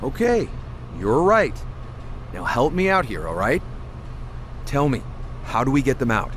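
An actor playing a weary, gruff sergeant, terse and steady. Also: male voice, a little slow, background noise. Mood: calming, terse. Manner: terse, low-key.

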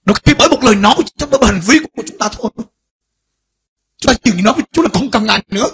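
A middle-aged male pastor preaching a fervent sermon, dropping to a hush and then rising to shouts. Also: extremely high pitch, expressive, very fast. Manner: impassioned preaching, swings between hushed and shouted.

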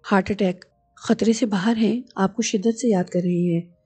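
A woman's voice: mid-range voice, steady tone, normal speed, dark tone, breathy edge, soft background music, close to an everyday voice. A woman reading an anxious younger brother.

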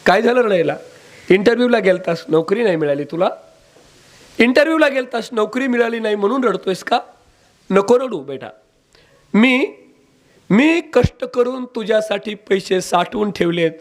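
A man's voice: sits high, lively intonation, moderate pace, long pauses. A preacher voicing a tender, consoling father. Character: loving rural father, gentle and consoling.

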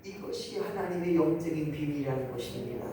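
Animated Korean pastor in an echoing church. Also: male voice, a little fast, a little hiss or hum. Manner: animated, acts out congregants in high mocking voices. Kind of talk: sermon. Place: church sanctuary. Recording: very echoey church from far off.

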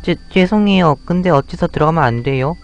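A man voicing a gentle, protective little girl in a soft, childlike voice over a game. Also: a little high, a little fast, lo-fi sound, faint music behind, voice pushed up, lightly acted. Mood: curious.

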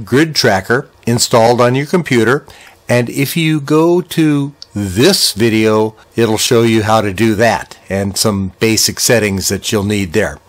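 An older American man in his sixties walks listeners through a software tutorial. He explains each step plainly and conversationally, with a medium-pitched voice. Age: older, around 60s. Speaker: video tutorial presenter.

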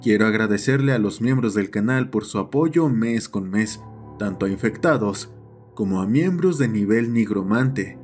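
A man's voice: lowish voice, expressive, moderate pace, a little mellow. A man narrating a scripted horror story as the host of the channel. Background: background music.

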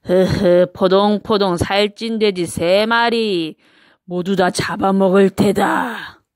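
A woman's voice: medium pitch, steady tone, takes it slowly, no room sound, clean studio sound, natural voice. A woman voicing a hungry, menacing big bad wolf in a children's storybook, gloating and drawing out the threats. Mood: gloating menace. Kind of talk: children's storybook read-aloud.

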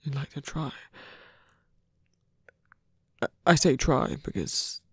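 A man playing a guarded, lovestruck villain in an ASMR roleplay, halting and tender, with a breathy voice that often drops to a whisper. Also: medium pitch, a bit bright, no echo, clean studio sound. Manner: halting, hesitant delivery with pauses. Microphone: close dry microphone.

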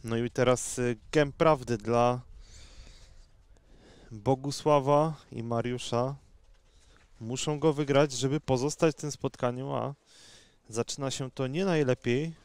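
A man giving unhurried, conversational live tennis commentary in a measured, somewhat hesitant way. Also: medium pitch, steady tone, clear, resonant tone, no echo.

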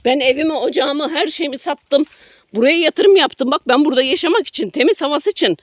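A woman's voice: high-pitched, fairly quick, no echo. A middle-aged woman vlogging from her garden to her followers, talking emotionally, first indignant, then apologetic, often repeating herself. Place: garden by a road near woods.

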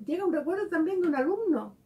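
A woman's voice: very high-pitched, lively intonation, fast, a little mellow. A woman giving a devotional reflection, speaking conversationally and asking her listeners direct questions. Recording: voice heard from a distance.

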